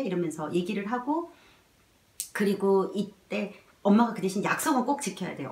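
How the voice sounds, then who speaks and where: A woman teaching parents in a spoken lecture, telling lively stories full of fillers and acting out mothers and toddlers, sometimes dropping to a soft whisper. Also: mid-range voice, a little hiss or hum. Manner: animated storytelling, acts out mothers and toddlers, drops to soft whispers; many filler words. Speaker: child development educator. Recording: roomy, mic at a distance.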